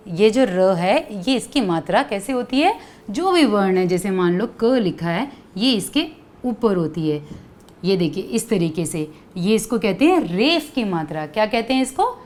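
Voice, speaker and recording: A woman teacher giving a patient grammar lesson to children, repeating words slowly and asking them to say them with her. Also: medium pitch.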